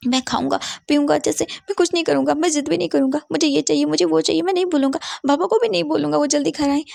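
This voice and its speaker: A woman's voice: sits high, quick pace, gravelly, darkish tone, no room sound, clean studio sound, voice pushed up. A woman voicing a sobbing, frantic young boy. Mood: desperate sobbing. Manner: frantic, tearful pleading. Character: grief-stricken young boy, sobbing and pleading.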